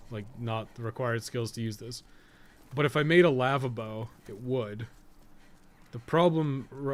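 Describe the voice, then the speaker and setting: Guy streaming a game, thinking out loud, kinda mumbly to himself, average pitched voice, noticeable background noise. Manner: rambling, muttering to himself as he plays. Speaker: host of a game guide livestream. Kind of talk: casual video game livestream commentary, thinking aloud.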